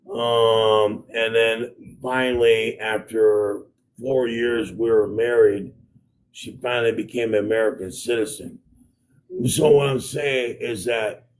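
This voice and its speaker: A man telling a personal story as a caller, rambling and halting with many fillers. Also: mid-range voice, low-quality recording. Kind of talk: casual call-in story.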